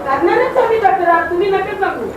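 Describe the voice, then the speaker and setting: A woman's voice: extremely high pitch, expressive, brisk, very echoey, recorded from a distance, highs cut off, noisy background. A woman citizen arguing insistently and confrontationally with municipal staff, repeating her demands. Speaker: citizen complainant. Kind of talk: heated argument. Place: municipal office visitor room. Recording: busy office crowd behind.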